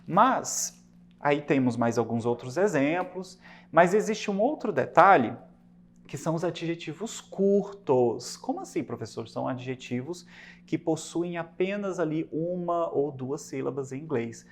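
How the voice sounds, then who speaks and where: A man's voice: on the high side, lively intonation. Brazilian male teacher explaining patiently. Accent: Brazilian Portuguese. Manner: patient explaining, slows down on English examples; asks rhetorical questions to the class. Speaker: English teacher. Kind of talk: recorded classroom lesson.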